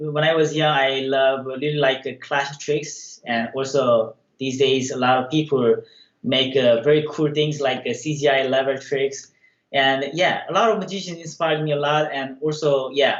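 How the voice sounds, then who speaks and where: Speaking with a Korean accent, a man uses a fairly high pitch and fairly even intonation. His pace is moderate. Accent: Korean accent, non-native English. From South Korea, Busan. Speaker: magician and quick change artist. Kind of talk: interview. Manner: halting.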